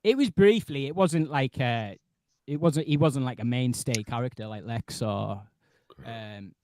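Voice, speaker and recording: A man's voice: medium pitch, measured pace, warm tone, dry recording. A man hosting a livestream in a casual, chatty style. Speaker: livestream host. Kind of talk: casual chat.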